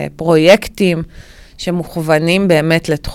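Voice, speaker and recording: This woman talks in a fairly low pitch with fairly even intonation. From Israel, kibbutz in the Hula Valley. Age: 20s. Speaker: municipal sustainability manager. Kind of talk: interview. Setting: studio.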